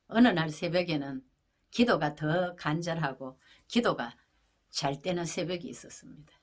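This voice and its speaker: A woman in a Gyeongsang accent, very deep and low in pitch, at a fairly slow pace. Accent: Gyeongsang dialect, rough speech. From Gyeongju, Gyeongsang region, South Korea. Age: 70s. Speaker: pastor, evangelist. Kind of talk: testimony.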